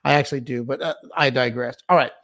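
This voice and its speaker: A raspy man over fifty hosting an interview in a casual, rambling way full of fillers. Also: mid-range voice, fairly even intonation, fast talker, fairly bright tone. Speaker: podcast host, choir teacher.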